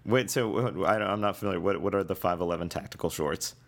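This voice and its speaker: A man with a hoarse voice hosting a casual tech podcast, talking in halting bursts full of fillers and restarts. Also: low voice. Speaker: podcast host.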